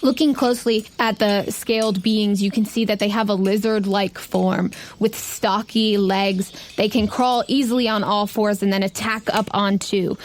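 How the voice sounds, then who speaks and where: A woman's voice: medium pitch, fairly even intonation, normal speed, hardly any pauses, slight background noise. A woman narrating a tabletop roleplaying game as game master, describing scenes in a conversational, improvised way.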